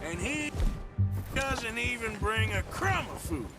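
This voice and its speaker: An actor playing a weary, plain-spoken Western outlaw in a video game, with a folksy, rough-spoken American drawl. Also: male voice, very high-pitched, big pitch swings, slow pace, exaggerated voice. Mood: grim, grumbling. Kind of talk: video game character dialogue. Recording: loud music behind the voice. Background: loud game music.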